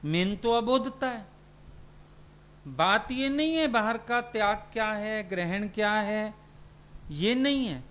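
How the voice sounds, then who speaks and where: A man's voice: high voice, animated, slow pace, long pauses, fairly bright tone. A man, a spiritual teacher, giving a satsang sermon and putting questions to his listeners.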